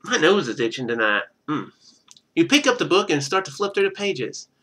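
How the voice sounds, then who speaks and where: A man's voice: fairly high pitch, very animated, moderate pace, a bit bright, husky. A man streaming a game, reading its narration aloud and breaking off into rambling, chatty casual commentary. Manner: rambling, chatty asides between read passages.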